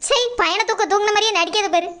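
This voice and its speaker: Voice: very high-pitched, fairly even intonation, quick pace, bright, forceful tone. An actor voicing an aggrieved, mischievous cartoon woman, complaining and whining. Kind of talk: cartoon dub dialogue.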